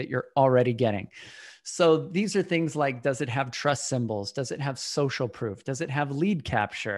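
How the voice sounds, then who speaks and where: Against a quiet background, a man in an American accent speaks at a moderate pace in a plain, everyday voice with medium pitch and ordinary pitch variation. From Utah. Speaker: business coach for property managers. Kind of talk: interview.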